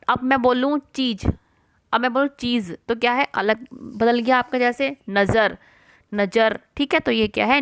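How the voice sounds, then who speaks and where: Woman teaching children slowly. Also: fairly high pitch, a bit bright, no room sound. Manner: repeats words slowly for pronunciation; asks and answers her own questions. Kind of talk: worksheet lesson for children.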